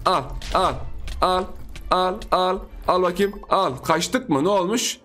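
A young man giving excitable, teasing gameplay commentary as a gaming YouTuber, laughing often. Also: high-pitched, slow, soft background music.

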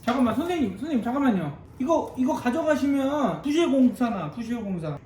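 A man's voice: extremely high pitch, animated, fairly quick. A man talking playfully to a kitten at home in coaxing baby talk, in casual vlog style. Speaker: vlogger, kitten owner. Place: home indoors. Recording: echoey room with faint noise.

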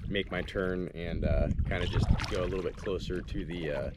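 A man in his thirties with a slightly low voice talks casually to a handheld camera, musing aloud with plenty of fillers. Heavy wind and engine noise roar behind him throughout. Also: steady tone, normal speed. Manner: easygoing, thinking aloud with frequent fillers. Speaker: fishing vlogger. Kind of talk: casual outdoor vlog narration. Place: outdoors on a lake and in a truck cab. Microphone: action camera or phone held close.

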